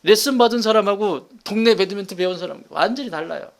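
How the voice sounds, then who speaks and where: A middle-aged male pastor preaching an animated sermon, repeating his points and jumping between loud bursts and whispers. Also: sits high, quick pace, gravelly. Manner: animated, repetitive, jumps between shouting and whispering.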